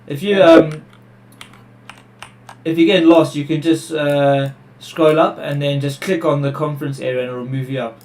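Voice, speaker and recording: Chatty Welsh-born host on a call. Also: male voice, a little high, fairly even intonation, moderate pace, a little mellow, echoey room, distant mic. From Wales. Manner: chatty, upbeat, guiding others. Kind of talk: casual video call chat.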